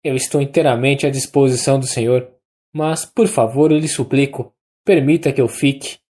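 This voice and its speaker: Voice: medium pitch, steady tone, normal speed, warm tone, lightly acted. A narrator doing a tearful pleading young man. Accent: Brazilian Portuguese.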